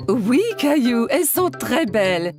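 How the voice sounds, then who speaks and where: A woman playing a gentle, patient mother of a young boy. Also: fairly high pitch, sing-song, unhurried, over music.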